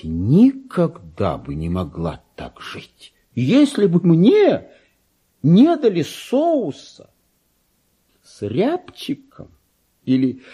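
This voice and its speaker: A man's voice: a little high, mellow, slightly rough, muffled recording, heavily acted. Man putting on a prim, swooping little lapdog lady. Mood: confiding, fussy. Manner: prim, gossipy, singsong. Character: chatty, naive, pampered female lapdog writing gossipy letters. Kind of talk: theatrical radio letter reading.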